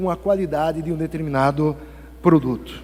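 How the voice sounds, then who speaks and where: A man speaks with a Curitiba accent. Room echo can be heard. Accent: Curitiba accent, marked. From southern Brazil, Curitiba. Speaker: law professor. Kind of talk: lecture. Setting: stage with audience.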